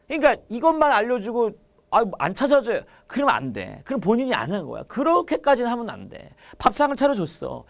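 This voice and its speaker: A man leads an online exam-prep lecture with a very lively, swooping delivery. He is chatty and animated, peppering his students with rhetorical questions and everyday analogies. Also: very high voice. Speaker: Korean literature lecturer.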